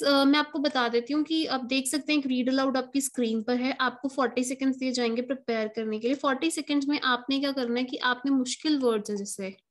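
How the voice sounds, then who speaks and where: A high-pitched woman gives an online lesson. She talks straight to her viewers and walks them through the task. She slows right down on the words she wants to stress. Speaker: exam prep tutor. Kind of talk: online lesson, Hindi mixed with English.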